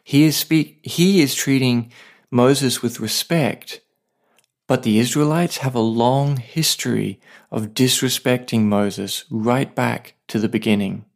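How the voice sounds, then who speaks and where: A man who hosts a Bible podcast, reading a scripture passage aloud in a steady voice and breaking off to explain it in a livelier way. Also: medium pitch, slow, gravelly.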